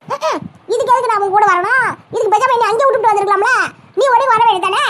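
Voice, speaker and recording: Woman voicing cartoon granny, older, very high and shrill, rapid-fire. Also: a bit bright, slight background noise. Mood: grumbling. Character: scolding old village grandmother, sharp-tongued. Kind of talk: cartoon comedy voice acting.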